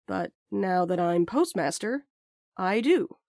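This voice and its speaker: An actor plays a sardonic young postmaster in a naturalistic audio drama. The talk is casual and stubborn, full of wry deflection. The voice sits at a middle pitch in a very dry recording. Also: expressive, slow pace, vocal fry, a little mellow, no echo.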